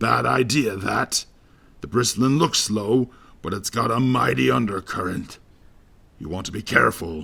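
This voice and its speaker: Putting on a character voice, a man speaks in a booming, raspy, fairly low register at a moderate pace, with long, frequent pauses. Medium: read story. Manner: warm, folksy, hearty.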